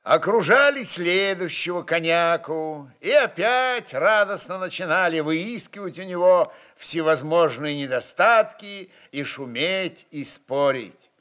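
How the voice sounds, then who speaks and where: A man reads literary prose as an expressive narrator. His voice sits a little high, moves widely in pitch and keeps a slow, storytelling pace.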